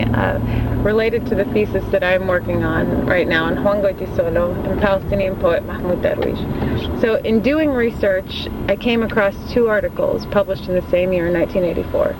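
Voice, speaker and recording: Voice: mid-range voice, steady tone, moderate pace. A graduate student asking a long interview question, speaking carefully and hesitantly. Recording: clear background noise.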